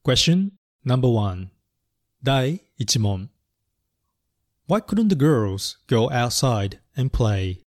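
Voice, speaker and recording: A man reading a children's story and teaching English words, speaking clearly and carefully and spelling words out letter by letter. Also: mid-range voice, very animated, drawn-out words, long pauses. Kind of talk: bilingual children's lesson narration.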